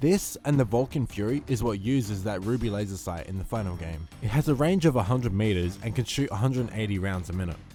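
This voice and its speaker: A man at a fairly low pitch, talking at a very fast pace with lively intonation and hardly any pauses, music in the background. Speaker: gaming YouTuber. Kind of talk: video game commentary voice-over.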